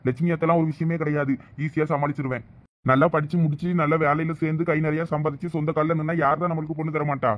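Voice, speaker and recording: A man voicing young male cartoon characters at a rapid clip. His voice sits a little high, and he talks earnestly and persuasively. The sound is dull and lo-fi. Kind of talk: cartoon voice acting. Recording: dull lo-fi recording.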